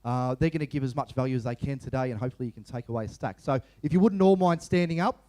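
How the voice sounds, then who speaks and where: A man's voice: medium pitch, very fast, dark tone. A man acting as the conference MC, introducing the next speaker in an upbeat, hype-building way. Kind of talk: event introduction. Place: conference hall.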